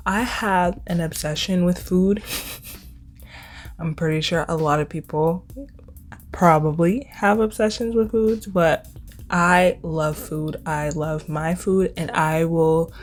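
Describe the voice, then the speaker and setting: A woman's voice: lowish voice, a little mellow. A twenty-year-old woman hosting a casual solo podcast, talking in a chatty, informal way and repeating words for emphasis. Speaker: podcast host.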